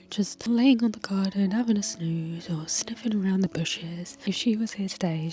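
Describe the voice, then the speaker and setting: A woman whispering softly and tenderly as she talks to her viewers, recorded outdoors in a garden. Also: on the low side. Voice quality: soft unvoiced whisper. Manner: gentle, tender, reflective. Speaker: video creator. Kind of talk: whispered ASMR-style personal talk. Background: faint outdoor ambience with bees.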